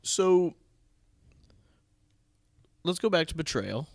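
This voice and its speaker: A man's voice: a little high, very animated, slow pace, vocal fry, darkish tone, dry recording. Man hosting, dry close sound. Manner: bantering, teasing. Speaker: podcast host, theatre producer. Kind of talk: casual podcast interview.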